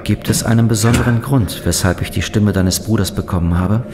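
An actor playing a polite, literal-minded ship's computer in a science fiction audio drama, formal and measured. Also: male voice, lowish voice, very noisy, close to an everyday voice. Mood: calm, inquiring.

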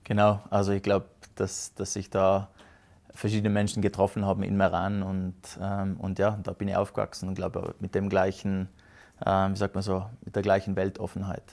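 A man's voice: deep voice, monotone, normal speed, gravelly, a little mellow. A man, a guest in a casual interview who hesitates and restarts often. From South Tyrol, Italy. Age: 30s. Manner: hesitant, many restarts and fillers. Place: rustic hotel lounge with fireplace.

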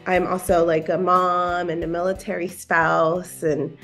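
A woman's voice: fairly low pitch, level tone, unhurried, fairly bright tone, faint music behind. A woman in her thirties, from Japan and the Philippines, with an American accent, chatting as a podcast guest over a video call from her living room, laughing often and filling with "like". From Okinawa, Japan, and the Philippines. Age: 30s. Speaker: podcast guest, bikini bodybuilder and personal trainer. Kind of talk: casual interview chat. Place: home living room, indoors. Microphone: earphone mic on a video call.

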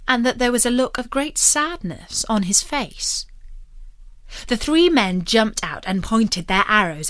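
Slow, expressive woman storyteller. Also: a little high, no room sound, studio quality. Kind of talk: scripted storybook narration.

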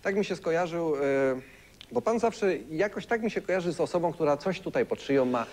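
A young male talk show host asks his guest questions in a studio. His voice sits a bit high, and he circles around his questions with pauses. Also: darkish tone. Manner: measured, hesitant questions. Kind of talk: casual interview. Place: TV studio set.

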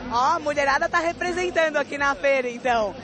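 A bubbly young woman reporter interviews people at a sports expo. Her voice sits high and bright as she talks into a handheld mic. Music and a chattering crowd fill the big hall behind her. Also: quick pace. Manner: bubbly, complimenting. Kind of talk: on-the-spot fair interview. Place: busy indoor sports expo.

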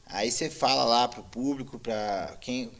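Brief: thirties Minas Gerais host, mid-pitched, thanking names briskly on a small stage. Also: male voice. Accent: Minas Gerais Brazilian Portuguese. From Brazil, Minas Gerais. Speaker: host, journalist and poet. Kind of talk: casual on-stage chat. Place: small indoor stage with curtains. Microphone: handheld mic.

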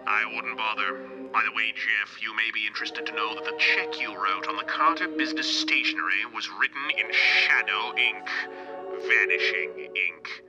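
A man playing a calm, menacing, invisible vigilante who taunts deliberately in a 1930s radio drama style. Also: fairly low pitch, over loud music, lightly acted, low-quality recording. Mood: coolly mocking.

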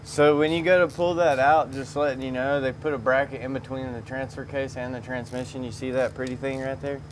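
A man's voice: mid-range voice, level tone, a little fast. Folksy male mechanic in a noisy garage. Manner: folksy, chatty. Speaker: transmission mechanic presenting a video. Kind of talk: casual hands-on shop chat to viewers. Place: auto repair garage, under a lifted truck. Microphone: camera a few meters away. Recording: clear garage noise behind.

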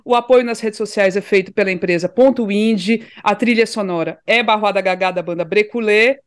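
A woman co-hosting a podcast, chatting casually and sending warm shout-outs. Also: mid-range voice, fairly quick. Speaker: podcast co-host.

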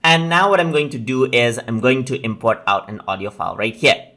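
A man with a bright, forward voice at an average pitch narrates a software tutorial. He walks the listener through it step by step, in an instructional manner. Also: lively intonation, a little fast. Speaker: tutorial presenter.

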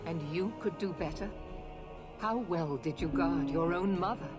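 An actress playing a severe, unyielding knight commander in a video game, formal and commanding. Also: female voice, on the low side, a little slow, natural voice. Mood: stern, cold. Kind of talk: dramatic video game acting. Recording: game audio with loud music.

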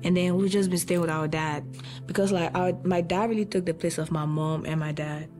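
Young woman from cameroon, lowish voice, soft music behind. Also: fairly even intonation, brisk. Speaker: testimony speaker.

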